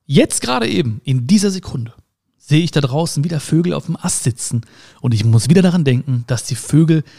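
With a gravelly voice that is a little high and a little fast, a man gives an informal motivational monologue. He addresses the listener directly in an animated way, using rhetorical questions and playful sound words.

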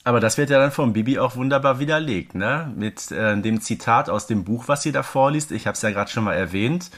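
A man's voice: medium pitch, animated, a little fast, a bit bright. A man co-hosting a podcast, chatting casually with gushing, fannish enthusiasm. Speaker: podcast co-host. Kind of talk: casual chat, analysing a radio play.

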